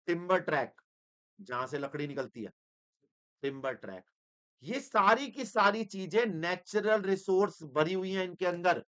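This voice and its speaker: Animated male accounting teacher. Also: a little high. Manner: animated, teasing, mixes Hindi with English terms. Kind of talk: energetic classroom lecture.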